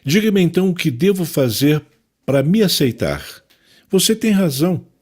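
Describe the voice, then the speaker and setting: A man's voice: a little high, big pitch swings, moderate pace, darkish tone. An actor with a Brazilian accent playing a tormented, self-loathing psychiatrist in an audio drama, anguished and theatrical as he confesses. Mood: anguished, pleading.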